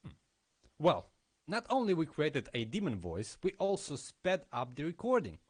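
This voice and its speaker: A man's voice: fairly high pitch, wildly swooping pitch, moderate pace, husky. A man speaking at a conference, giving a technical lesson with explanatory commentary on live demos.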